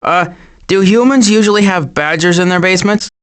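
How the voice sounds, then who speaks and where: A man voicing a fretful, long-suffering turtle in an animated video game. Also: sits high, fairly quick, smooth. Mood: fretful, exasperated. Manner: fretful, exasperated, hesitant.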